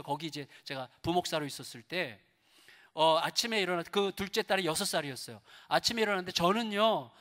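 Middle-aged male pastor, sermon delivery, high and lively, questions the pews often, long church-hall reverb. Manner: animated, asks the congregation many rhetorical questions, swings between soft and loud. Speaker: guest pastor preaching at a revival service. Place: church sanctuary.

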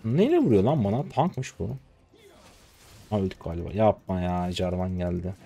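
A man in his twenties commenting live on his own gameplay, exasperated, swinging between low mutters and loud outbursts at his teammates. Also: lively intonation, moderate pace, vocal fry. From Turkey. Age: 20s. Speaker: game streamer.

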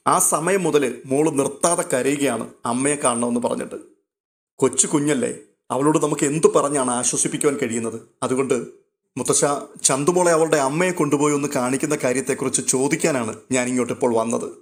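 A man's voice: mid-range voice, a little fast, close to an everyday voice. A man voicing a caring young woman who pleads earnestly and persuasively, as in a storybook read aloud. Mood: pleading.

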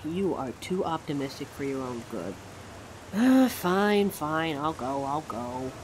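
A woman's voice: low-pitched, big pitch swings, slow, darkish tone, a little hiss or hum, exaggerated voice, low-quality recording. A woman playing an anxious, sarcastic werewolf nearing thirty in an audio drama. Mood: grumbling.

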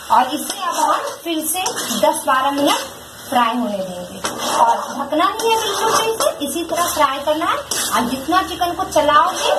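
A woman with a high voice explains a recipe step by step at her home stove, speaking patiently and repeating each instruction for her viewers. The kitchen sounds echoey, and the camera mic above the pot picks up a loud, steady hiss behind her voice. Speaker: home cook presenting a recipe. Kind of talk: step-by-step cooking demonstration.

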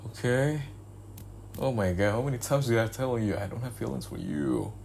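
In a spoken ASMR role-play, a young man voices a cold, dismissive husband in an arranged marriage, speaking bluntly in casual slang with English phrases slipped in. His medium-pitched voice swings widely in pitch at a moderate pace, sounding creaky and darkish, with a little hiss or hum.

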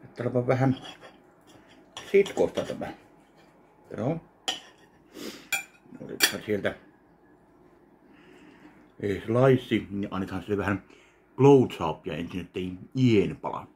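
A Finnish man in his thirties records a casual food-tasting vlog in his small home kitchen, talking between bites, humming as he chews, and mumbling asides while savoring aloud. His fairly low voice is expressive, with long pauses. A webcam at his desk frames him closely.

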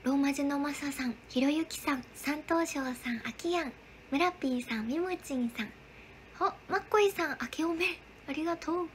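A woman's voice: high voice, moderate pace, a little hiss or hum. A young woman hosting a casual livestream, greeting viewers by name and answering their chat comments. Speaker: livestream host.

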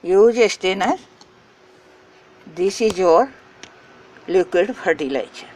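A woman whose first language is Hindi, hosting a gardening channel and giving slow step-by-step instructions in short phrases. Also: medium pitch, lively intonation, darkish tone, poor audio. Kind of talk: step-by-step how-to narration.

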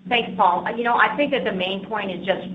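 A woman, a finance executive, calmly explaining answers on an earnings conference call with some fillers. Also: mid-range voice, a little fast, a crowd in the background. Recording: tinny, echoey phone line with faint hiss.

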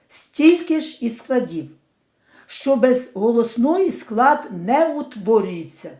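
A woman teaching in a slow, deliberate scripted lesson narration, carefully spelling out syllables. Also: a little high, a little mellow, roomy sound.

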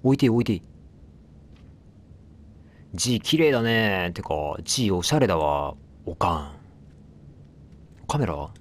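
A man's voice: deep voice, animated, a little slow, pauses often. A man giving casual let's play commentary, chatting to the game and its characters as he plays. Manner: chatty, talks back at the game, apologizes for noise.

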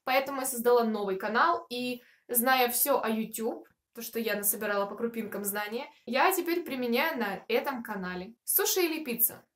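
A woman's voice: sits high, a bit bright. A woman of twenty-one chatting casually to camera as a video blogger answering viewer questions, in a reflective, talkative manner. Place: small furnished room, indoors.

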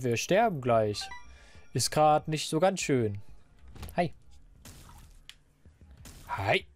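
A man doing casual, rambling commentary while playing a game, a little hoarse and stuffy, into a desk microphone. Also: medium pitch, a little mellow. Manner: chatty, rambling, self-mocking. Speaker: let's player.

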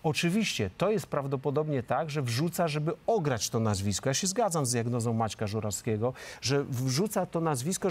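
A man's voice: mid-range voice, a little mellow. A middle-aged man talking as a football pundit in a TV studio discussion, fluent and emphatic, with frequent hesitation fillers. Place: large TV studio.

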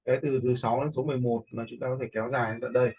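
A man giving a casual, step-by-step software tutorial, informally checking in with listeners as he goes. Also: medium pitch, flat delivery, rapid-fire, husky. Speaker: video editing instructor. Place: indoors, voice-over for a screen recording.

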